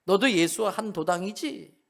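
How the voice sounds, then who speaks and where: A man voicing accusing bystanders in a sermon, speaking high, loud and taunting. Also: moderate pace, close to an everyday voice. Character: accusing bystanders, rough mocking men.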